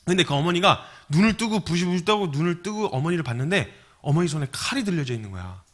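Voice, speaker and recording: A man's voice: a little high, quick pace. A male missionary preaching to young adults, telling stories vividly and acting out scenes with sound effects. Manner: animated storytelling, acts out scenes with sound effects.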